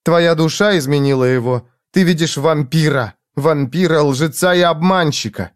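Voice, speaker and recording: A man voicing a fierce, sharp-tongued young woman in a storybook reading, mocking and commanding. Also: normal speed, close to an everyday voice. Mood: accusing. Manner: mocking, commanding, shrill when angry.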